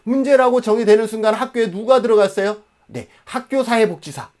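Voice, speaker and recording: A man's voice: sits high, a little fast, a little mellow. A man in his forties from Jeju Island, South Korea, giving an exam-prep lecture emphatically, asking questions and answering them himself.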